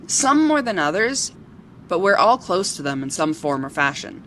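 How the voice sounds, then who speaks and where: A woman playing a kindly local who befriends forest creatures in an audio drama, talking in a gentle, earnest, storytelling way. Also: on the low side, sing-song, moderate pace, a little hiss or hum, low-quality recording. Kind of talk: amateur audio drama acting.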